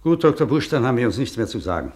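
A man's voice: mid-range voice, very animated, very fast, a little mellow, close to an everyday voice. A man acting in a German radio play as a bitter, unforgiving exile, impassioned and declamatory in his accusations. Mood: cold, condemning.

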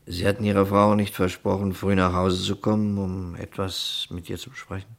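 A man's voice: sits low, flat delivery, moderate pace, creaky. A man playing a shrewd police investigator in a crime radio play, questioning pointedly with skeptical, dry reasoning. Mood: measured, probing.

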